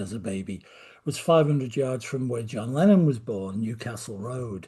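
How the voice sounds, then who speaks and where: A man with a medium pitch and a dark, mellow tone sounds somewhat breathy, his intonation lively. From Liverpool, England (Wavertree, south Liverpool). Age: 60s. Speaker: screenwriter and novelist. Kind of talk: casual interview chat. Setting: podcast recording.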